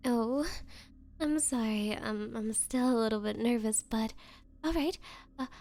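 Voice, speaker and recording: A woman playing a nervous, obsessive young woman on a date in an anime-style ASMR roleplay, speaking haltingly and flustered. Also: a little high, darkish tone. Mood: nervous, coy. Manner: halting, flustered, breathy hesitations. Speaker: roleplay voice performer.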